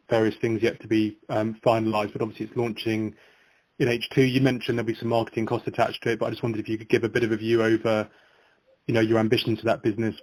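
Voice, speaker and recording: A man's voice: fairly low pitch, a little mellow, dry recording, low-quality recording. A man working as an analyst, asking polite, tentative questions on a conference call. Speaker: financial analyst.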